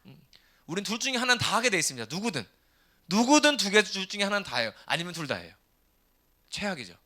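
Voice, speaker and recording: Lively fast-talking male pastor. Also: high voice. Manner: animated, rhetorical questions to the congregation. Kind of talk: sermon.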